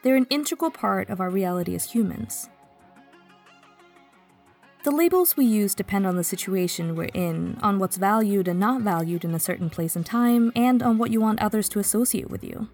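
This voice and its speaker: A woman from Stockholm whose first language is Swedish, narrating a podcast in a measured, reflective way. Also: mid-range voice, darkish tone, soft background music. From Sweden, Stockholm. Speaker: podcast host. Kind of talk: scripted narration.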